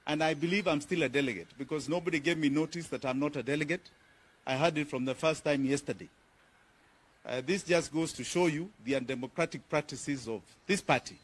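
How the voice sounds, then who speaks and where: A man with a Kenyan accent, a politician answering reporters' questions at a press conference in a firm, emphatic way, repeating key phrases. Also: a little high.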